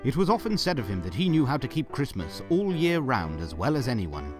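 A man's voice: medium pitch, very animated, brisk, music in the background, lightly acted. A man narrating a Christmas audio drama as a wry, theatrical storyteller. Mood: warm.

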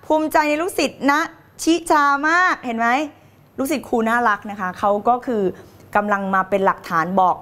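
A woman's voice: a little high, lively intonation, normal speed, a bit bright. A middle-aged woman teaching on a live stream, reading viewer comments in a playful, theatrical way. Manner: playful and theatrical, laughing and putting on voices.

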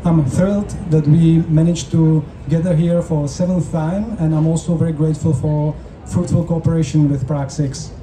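A man with a Czech accent interpreting formally and in measured phrases as a host on an open-air festival stage. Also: a little high, flat delivery. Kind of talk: live consecutive interpreting at a public event. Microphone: handheld mic through PA, recorded from audience. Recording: roomy, distant stage PA sound with noise.

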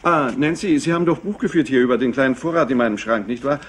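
An actor playing a stiff, guarded, imperious company executive in a crime radio play, speaking formally and curtly. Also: male voice, mid-range voice, slight background noise, natural voice. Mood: curt, puzzled. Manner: formal, curt, measured.

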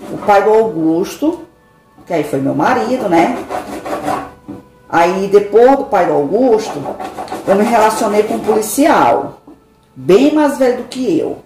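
A woman's voice: mid-range voice, big pitch swings, measured pace, long pauses, music in the background. A middle-aged woman, chatting casually and confidingly to her viewers from her home kitchen, with dramatic sighs. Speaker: vlogger. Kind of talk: casual chat. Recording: echoey kitchen with noise.

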